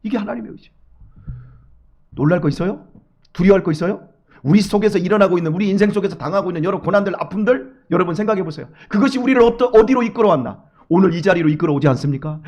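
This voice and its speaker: A middle-aged male pastor giving an early-morning sermon, speaking straight to his congregation with many rhetorical questions, dropping to quiet asides and rising to loud urging. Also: sits high, animated, fast talker. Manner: emphatic, swings from hushed asides to loud exhortation.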